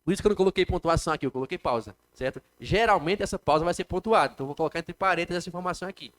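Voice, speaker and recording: Brazilian male teacher, fairly high voice, live classroom lecture, explains step by step and quizzes the class. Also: very fast, fairly bright tone. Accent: Brazilian Portuguese. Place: classroom with students.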